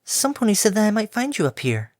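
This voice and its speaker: A man reading an audiobook, voicing a gentle, soft-spoken female pegasus pony in a sweet, breathy way. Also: high-pitched, huge pitch swings, brisk, no room sound, studio quality, voice pushed up. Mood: gentle cheerful.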